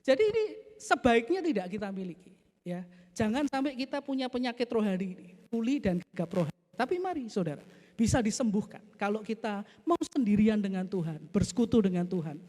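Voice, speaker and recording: A man's voice: sits high, a little fast. A male pastor preaching a sermon, often addressing the congregation as "brothers and sisters". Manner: addresses the congregation as "saudara", animated storytelling. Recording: echoey church hall.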